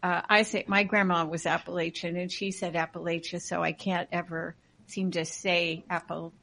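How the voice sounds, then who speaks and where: A woman's voice: on the low side, flat delivery, normal speed, vocal fry, fairly bright tone, slight background noise. A woman co-hosting a talk show, speaking bluntly and with strong opinions. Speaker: co-host. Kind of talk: casual talk show chat.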